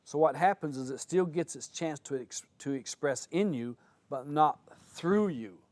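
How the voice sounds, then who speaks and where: A man's voice: a little high, a little slow, darkish tone, no echo. An older man teaching a spiritual seminar in a conversational way, telling stories and acting out quoted lines. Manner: conversational, anecdotal, with acted-out quotes. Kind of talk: seminar talk.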